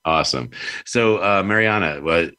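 A man's voice: deep voice, normal speed, bright, forceful tone, smooth. A man hosting an interview show, upbeat and rambling in casual chat. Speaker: podcast host.

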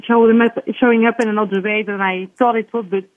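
A woman's voice: mid-range voice, steady tone, fast, no echo. A Belgian woman calling in over the phone. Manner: hesitant, many ums, earnest. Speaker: caller. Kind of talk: call-in chat. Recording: tinny phone line.

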